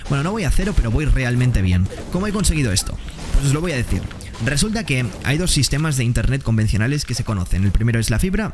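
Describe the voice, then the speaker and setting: A man giving excitable, slangy commentary while playing a game. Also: fairly low pitch. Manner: excitable, slangy, quick exclamations to opponents. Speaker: gaming streamer. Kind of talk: gameplay commentary. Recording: gameplay noise and gunfire behind.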